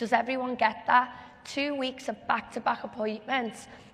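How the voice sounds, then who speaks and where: A woman speaks with a British accent. Her pitch is fairly high and her pace moderate. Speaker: business coach on panel. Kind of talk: panel talk to audience.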